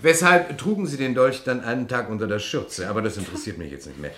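A man playing an authoritative, controlled police commissioner in a German radio crime play, speaking deliberately as he explains and questions. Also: medium pitch, bright, forceful tone, close to an everyday voice. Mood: questioning, brisk. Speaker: police detective.

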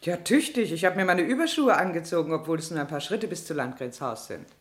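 An actress playing a haughty, evasive widowed aunt under questioning in a radio crime play, curt and indignant. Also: female voice, low-pitched, lively intonation, fast talker.

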